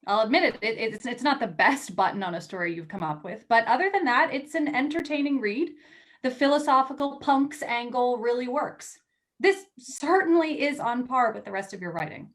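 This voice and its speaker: A woman's voice: fairly high pitch, expressive, normal speed, lightly acted. A woman acting in a play reading as a blunt, wry magazine editor who is a loyal, teasing friend. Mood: firm, encouraging.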